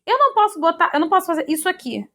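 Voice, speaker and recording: A Brazilian woman teaching an online grammar lesson in a lively, chatty way, often checking in with her students. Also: very high-pitched, very fast. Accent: Brazilian Portuguese. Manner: lively, chatty, addresses students as "gente", ends points with "tá?".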